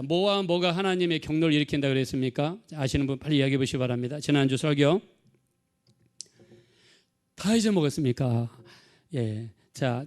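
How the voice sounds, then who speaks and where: A man preaching a sermon as pastor, animated, with wordplay and questions thrown to the congregation. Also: on the high side. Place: church sanctuary.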